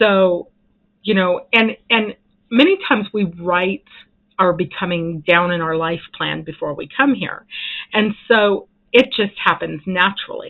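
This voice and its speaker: Here is a normal speaking voice at a fairly slow pace with ordinary pitch variation. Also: woman, medium pitch for a woman. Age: 60s. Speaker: pagan minister and spiritual vlogger. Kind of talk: spiritual talk to camera. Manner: casual, with frequent fillers.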